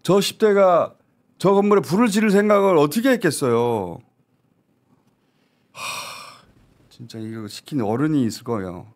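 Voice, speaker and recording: A man commentating on a news talk show, his voice rising and falling widely as he pushes each point with indignant urgency. His voice sits a little high for a man. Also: animated, moderate pace, long pauses. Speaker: political commentator.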